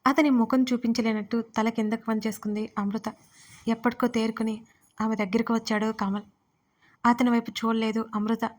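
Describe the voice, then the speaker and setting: A woman narrating a romance audio story in a steady, even storytelling manner. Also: a little high, normal speed.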